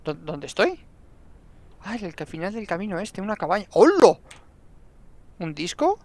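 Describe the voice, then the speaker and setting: A man giving excitable gameplay commentary and talking to himself as he plays. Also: sits high, normal speed, a little hiss or hum. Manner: excitable, talks to himself and the game. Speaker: gaming YouTuber.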